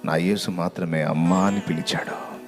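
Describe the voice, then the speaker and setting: A man preaching a sermon and leading prayer in an impassioned, pleading way, moving between loud cries and hushed tones. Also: sits low, fairly even intonation, moderate pace. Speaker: pastor. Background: music.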